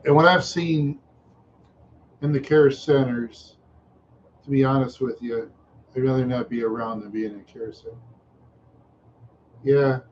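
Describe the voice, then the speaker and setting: An older man drifts through a slow, repetitive livestream chat, tired and a little unwell. He often trails off into soft chuckles. The sound is dull and lo-fi, with a faint hiss underneath. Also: mid-range voice, fairly even intonation. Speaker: livestream host. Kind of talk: rambling casual livestream chat. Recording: dull lo-fi stream audio with faint noise.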